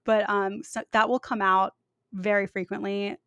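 A woman's voice: medium pitch, flat delivery, normal speed, fairly bright tone, clean tone, no room sound, lo-fi sound. A young American woman in her twenties hosting a podcast, chatting casually and speaking straight to her listeners in an upbeat way. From United States. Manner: upbeat, talks directly to listeners. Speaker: podcast co-host. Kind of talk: casual chat.

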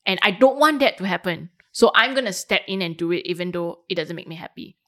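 A woman's voice: on the low side, animated, a little fast, bright, forceful tone. A Singaporean woman in a casual panel discussion, frankly explaining her views with some Singlish slang. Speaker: panel guest.

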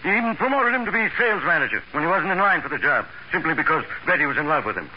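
A man's voice: fairly high pitch, animated, very fast, natural voice. An actor playing an indignant, grumpy middle-aged father and boss in a 1940s radio crime drama. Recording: muffled, hissy old radio recording.

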